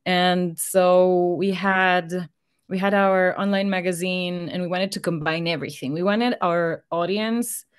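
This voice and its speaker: A woman's voice: lowish voice, fairly even intonation, a little slow, smooth. A woman in her thirties, a native Spanish speaker, chatting casually as an interview guest into a studio mic at home. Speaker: podcast guest. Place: small room at home, video call. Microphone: studio condenser mic on boom arm, headphones.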